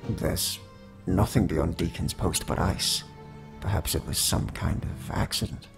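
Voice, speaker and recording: A deferential, brooding court agent. His voice is very low with a creaky, gravelly edge, in audio-drama style under loud music. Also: measured pace. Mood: hushed, measured.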